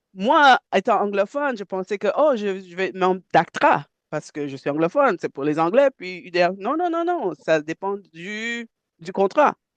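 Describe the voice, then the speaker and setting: A woman with a medium-pitched voice speaks at a fairly slow pace, with very wide pitch swings and big shifts in loudness. The sound is dry and close with no echo, and the background is quiet. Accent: English. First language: English (speaking French). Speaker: background actor. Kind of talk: casual anecdote in an online chat. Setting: video call. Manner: halting, many hesitations.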